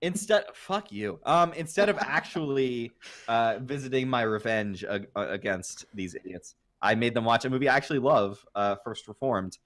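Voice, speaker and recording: A man's voice: mid-range voice, moderate pace, a bit bright. A man co-hosting a casual podcast, mock-boastful, swearing and stumbling over his words. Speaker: podcast co-host.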